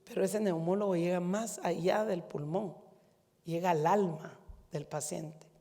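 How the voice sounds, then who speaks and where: A woman's voice: lowish voice, steady tone, measured pace, warm tone, big-room sound. A middle-aged woman with a Guatemalan Spanish accent, a physician giving a conference talk to medical students in a conversational storytelling manner, often using rhetorical questions.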